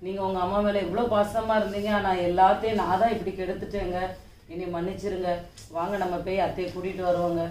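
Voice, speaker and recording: A woman's voice: mid-range voice, level tone, fast, darkish tone, slight background noise, close to an everyday voice. A woman playing a repentant daughter-in-law. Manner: earnest, apologetic. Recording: echoey distant room with music.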